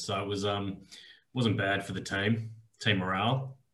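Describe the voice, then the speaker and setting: Fairly low-pitched male speech in an Australian accent. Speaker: former expat footy club player. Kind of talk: casual chat.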